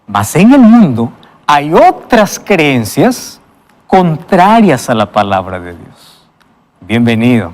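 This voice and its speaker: A man hosting a Bible study show in a studio, presenting with emphatic pauses and interviewing guests. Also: a little high, huge pitch swings, big-room sound. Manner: emphatic, with dramatic pauses and enthusiastic wows.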